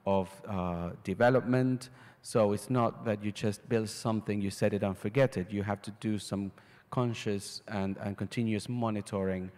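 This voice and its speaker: A man's voice: on the low side, a little mellow. A man speaking as a panelist at a conference, talking in a hesitant way with frequent restarts. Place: large conference hall. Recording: reverberant conference hall.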